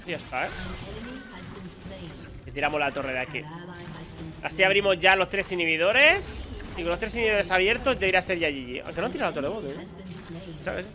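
A man commentating his own gameplay live, chatty and excitable, taunting enemies aloud. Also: high voice, fairly quick, pauses often, music in the background. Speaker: gaming YouTuber.

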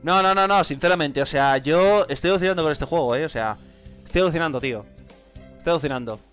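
A man with a Spain Spanish accent reads game text aloud and gives excitable, bewildered gameplay commentary. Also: a little high, quick pace, faint music behind. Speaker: gamer.

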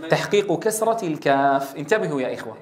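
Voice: mid-range voice, expressive, quick pace, roomy sound. A Quran recitation teacher giving a tajweed lesson, reciting verses melodically and drilling single syllables to correct pronunciation.

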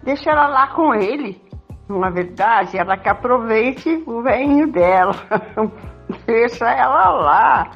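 A woman's voice: on the high side, expressive, unhurried, creaky, slightly rough, exaggerated voice. An older Brazilian woman playing a fun-loving, mocking friend in an amateur radio soap. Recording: muffled voice clip with faint music.

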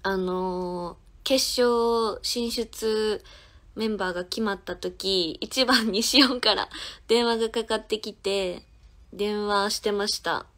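Speaking slowly in a medium-pitched, slightly bright voice, this twenty-something idol singer runs a casual livestream from her phone. She has a Kansai accent, giggles, and works through viewers' comments one by one.

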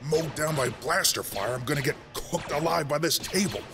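A man's voice: a little high, normal speed, over music, lightly acted. A man playing a grumbling, sardonic war-veteran rebel colonel in a fan-made sci-fi audio drama. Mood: rueful, tense.

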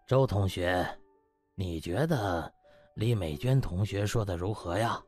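A man plays a stern elderly hospital director in an audiobook, pitched low. He lectures in a lofty, deliberate way, with faint music underneath. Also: darkish tone.

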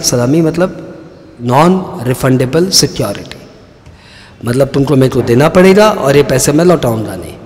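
Storytelling man lecturing in a hall. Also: on the high side. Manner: chatty, storytelling, acts out dialogue. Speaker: tax lecturer. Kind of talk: classroom lecture with examples.

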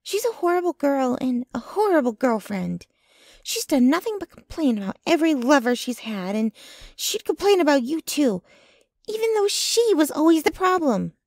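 A woman playing a possessive, jealous young girlfriend in an intimate ASMR roleplay, sweetly menacing, with a breathy voice that often drops to a whisper and a cooing, clinging manner. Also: high voice, very animated, darkish tone, no echo, clean studio sound. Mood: scornful, jealous. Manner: slow, cooing, clinging to the listener.

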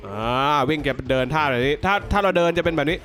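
A man speaks in a notably high voice over clearly audible music. He hosts a gaming video with excited commentary. His talk is full of exclamations as he reacts out loud to what happens in the game. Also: fast. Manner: exclamatory, reacting aloud to the action.

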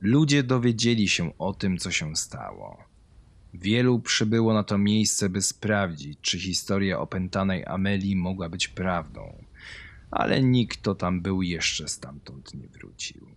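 A man's voice: low-pitched, big pitch swings, measured pace. A man reading a scripted horror story as its narrator.

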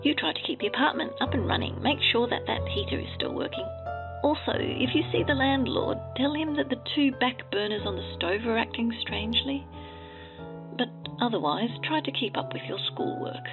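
An actress playing a frail, kindly older guardian in an audio drama, speaking gently through a telephone filter. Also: female voice, on the high side, lively intonation, moderate pace, over music. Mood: reassuring. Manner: gentle, motherly, reassuring. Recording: thin band-limited phone line.

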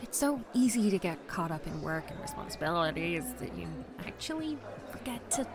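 A woman in her twenties playing a lively, teasing young influencer friend in an audio drama, with music under her voice. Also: lowish voice, moderate pace. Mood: chatty.

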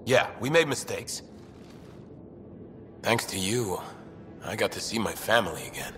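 A man's voice: fairly low pitch, expressive, a little slow, soft background music. A man playing a weary, grateful settler and former smuggler in a video game, speaking in an earnest, subdued way. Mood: earnest, resigned. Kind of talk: video game cutscene acting.

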